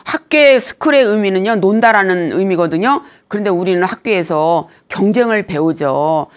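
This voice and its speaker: A middle-aged woman giving a lecture on aging well, joking and telling lively stories. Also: medium pitch, moderate pace. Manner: humorous, lively storytelling with acted quotes. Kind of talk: senior lifestyle lecture.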